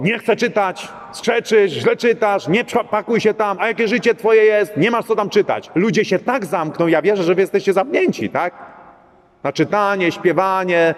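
Man, middle-aged priest, high voice, conversational sermon, long church reverb. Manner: talks directly to the congregation with frequent rhetorical "right?" asides.

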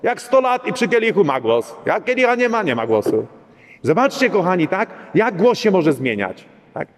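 Man, middle-aged priest, high voice, conversational sermon, long church reverb. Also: sing-song, normal speed. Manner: talks directly to the congregation with frequent rhetorical "right?" asides.

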